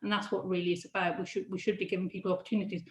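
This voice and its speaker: A woman's voice: fairly low pitch, level tone. Woman chatting in an echoey room. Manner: halting, many restarts and laughs. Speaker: prison careers adviser, interviewee. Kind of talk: casual interview chat.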